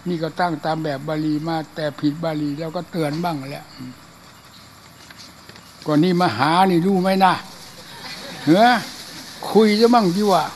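An elderly monk gives a loose, chatty dharma talk, slipping into acted voices for his funny stories. His voice sits high for a man, with a faint hiss of noise under it. He is hard of hearing. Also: moderate pace, pauses often. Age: older. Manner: chatty and humorous, acts out voices in anecdotes. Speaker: Buddhist monk. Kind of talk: informal dharma talk and storytelling.

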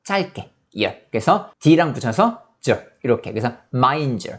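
A Korean-speaking English teacher who explains pronunciation quickly and drills phrases slowly with exaggerated intonation. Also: mid-range voice, big pitch swings. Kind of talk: explanatory language lesson.

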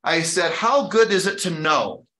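A middle-aged American man speaks as a motivational sales trainer in an echoey room. His voice sits a little high for a man, and he talks emphatically but conversationally, often tossing questions at his listeners. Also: a little slow, sharp tone. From Utah, United States. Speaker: real estate sales trainer. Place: indoor training room with whiteboards.

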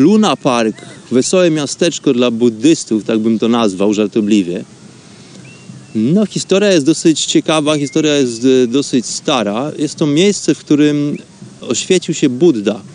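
A man hosting a spiritual radio show, speaking in an informal, reflective monologue with wordy, measured phrasing. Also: mid-range voice, a little mellow, a little hiss or hum.

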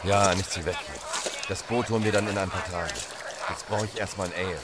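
A man's voice: sits low, steady tone, fast talker, heavy background noise, natural voice. A man playing a shaken, plain-spoken hobby angler in a crime audio drama. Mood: indignant.

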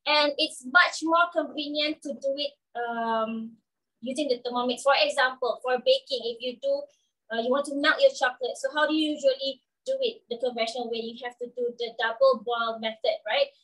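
High-pitched Malaysian woman presenting, a bit distant. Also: fairly bright tone. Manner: instructional, frequent checking "okay?" and "all right?" tags. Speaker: cooking show presenter demonstrating a kitchen appliance. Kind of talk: informal live cooking demonstration. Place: covered outdoor patio beside a garden. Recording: voice picked up from a distance.

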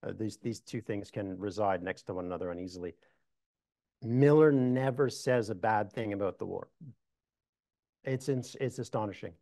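A middle-aged man, a historian, answering audience questions in a meeting room, measured and thoughtful with frequent restarts. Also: on the low side, mellow, no echo, clean studio sound. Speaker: historian giving a talk. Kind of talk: lecture Q&A answers.

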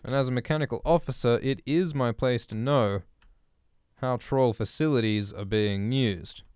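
A man's voice: mid-range voice, moderate pace, a little mellow, smooth, no room sound, studio quality, voice pushed up, natural voice. A man voicing a curt, assertive young woman mechanical officer in a story he is writing, speaking in a clipped, firm way. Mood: insistent.

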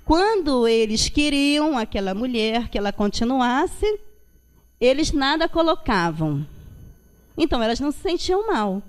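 A woman's voice: high-pitched, sing-song, measured pace. A woman from Rio de giving an informal, reflective religious talk, often adding little checking tags. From Brazil. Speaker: guest lecturer at a Spiritist centre. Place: meeting hall with projection screen.

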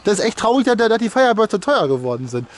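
A man's voice: high voice, very animated, fast talker. A man chatting casually as a car vlogger, blunt and crude in slangy, joking banter, recorded outdoors. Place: outdoors in a farmyard beside parked cars.

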